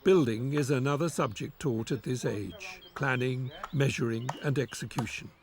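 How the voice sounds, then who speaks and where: A man narrating a documentary in a measured, explanatory way and interviewing a teacher. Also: medium pitch, very noisy.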